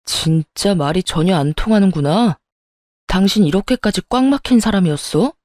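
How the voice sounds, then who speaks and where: A woman voicing a defensive husband in a radio story, lowering her voice and speaking in an accusing tone. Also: animated, normal speed, a little mellow, no echo, clean studio sound, close to an everyday voice. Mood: exasperated. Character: defensive young married husband.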